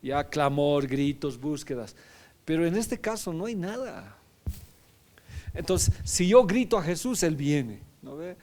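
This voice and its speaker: A man's voice: on the high side, big pitch swings, measured pace, darkish tone. A man, a pastor, teaching a Bible lesson in a conversational sermon, often asking his listeners questions and adding tag questions.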